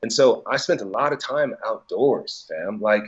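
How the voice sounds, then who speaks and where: A man's voice: fairly low pitch, animated, unhurried, dull audio, a crowd in the background. A man from Colorado talking as a guest in a casual conversation, loose and profane, with lots of filler words and easy laughs. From Colorado, USA. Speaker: guest, DJ and business owner.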